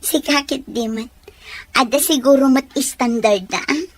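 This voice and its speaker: A woman's voice: high-pitched, moderate pace. A woman playing a polite, humble young country woman in a Filipino audio drama, speaking with a Filipino accent. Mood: sympathetic. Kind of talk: Ilocano audio drama acting.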